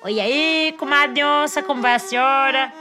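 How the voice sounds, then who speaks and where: A woman's voice: high-pitched, moderate pace, natural voice. A woman voicing a sly, boastful male monkey trickster who taunts in a sing-song way over background music. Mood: polite.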